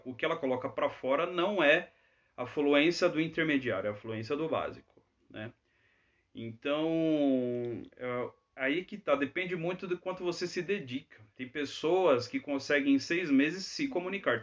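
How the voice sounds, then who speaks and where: Male English teacher, fairly high voice, chatty live Q&A style, muffled lo-fi stream audio. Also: a bit bright. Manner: chatty, frequent tag questions. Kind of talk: live Q&A lesson.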